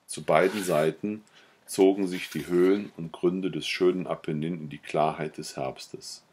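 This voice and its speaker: A man reading a novella aloud in a calm, measured way, then chatting briefly at the end. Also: deep voice, slight background noise. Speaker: audiobook reader.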